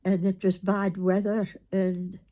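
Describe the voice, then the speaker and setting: A woman's voice: mid-range voice, flat delivery, slow, mellow. An elderly woman from north-east Scotland with a Doric accent, reminiscing in an informal interview with brief, plain-spoken answers. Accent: north-east Scottish Doric.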